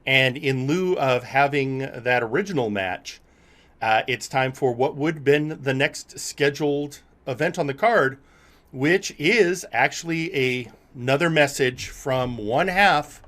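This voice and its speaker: A man hosting and commentating on a wrestling show, speaking haltingly and often repeating his words. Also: mid-range voice, a bit bright. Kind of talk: live sports-entertainment commentary.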